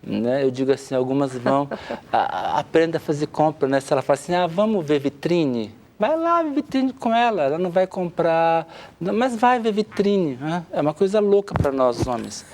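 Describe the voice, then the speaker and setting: A man's voice: a little high, fairly quick. A Brazilian man in his fifties, a family counselor chatting on a TV talk show, acting out spouses' lines as he talks. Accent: Brazilian Portuguese. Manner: lively, acts out spouses' quotes. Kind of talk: TV studio talk show chat. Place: TV studio.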